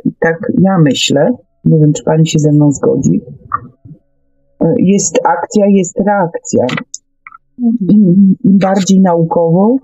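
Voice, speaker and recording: A woman speaking hesitantly and haltingly in an unscripted radio discussion. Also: lowish voice, steady tone, warm tone, lo-fi sound, soft background music. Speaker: radio talk show host.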